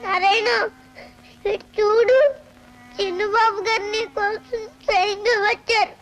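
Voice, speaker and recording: A heartbroken young orphan boy in an old film drama. His voice is very high and slow, choked with sobs as he pleads. Music plays behind him. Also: flat delivery, low-quality recording. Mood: tearful. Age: child. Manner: sobbing, pleading. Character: orphan boy grieving his friend, tearful.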